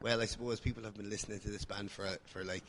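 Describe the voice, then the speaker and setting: A man guesting on a podcast, hoarse from a flu, rambling wryly and swearing freely. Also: lowish voice, steady tone, racing, a bit bright. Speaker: guest musician. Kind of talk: casual chat.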